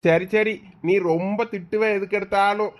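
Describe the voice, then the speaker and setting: A man playing a soft-hearted village father who coaxes and defends his daughter. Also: high voice, steady tone, moderate pace, lightly acted. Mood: coaxing. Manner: coaxing, pleading. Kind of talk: comedy skit acting.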